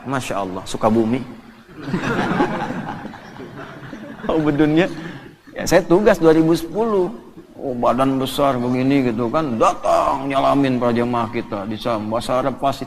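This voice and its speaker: A man preaching a sermon, telling stories in an animated, joking way. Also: mid-range voice, normal speed, long pauses, slight background noise. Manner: animated and joking, lively storytelling with laughs. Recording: distant reverberant hall, faint ambience.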